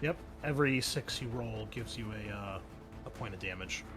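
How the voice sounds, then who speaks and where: A man's voice: fairly low pitch, normal speed, fairly bright tone, faint music behind. A man running an online tabletop roleplaying game, explaining things in a casual way. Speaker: game master.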